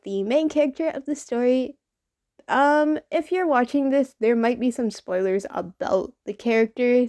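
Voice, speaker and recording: A young woman art vlogger chats casually as she draws, her voice on the high side and mellow, with no echo. She rambles, leaning heavily on fillers and frequently restarting and correcting herself.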